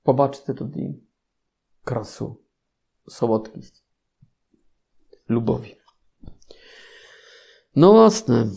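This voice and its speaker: A man's voice: medium pitch, very animated, drawn-out words, creaky, pauses often, warm tone. A man with a Polish accent, a Capuchin friar giving an informal sermon with playful, ironic asides to his listeners.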